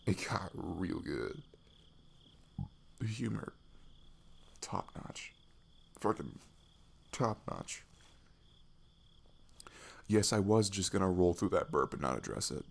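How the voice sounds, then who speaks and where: A man's voice: low-pitched, creaky, husky, full character voice. A young American man playing a goofy, affectionate best friend in an intimate ASMR roleplay, chatting in a rambling, self-deprecating way. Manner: rambling, giggly, self-deprecating, drops into murmurs.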